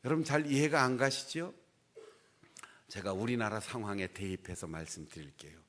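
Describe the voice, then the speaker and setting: A middle-aged man preaching a sermon as pastor, with expressive delivery that swings between loud emphasis and low, hushed asides, and a folksy, humorous touch. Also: normal speed. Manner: folksy, acts out dialect quotes for humor.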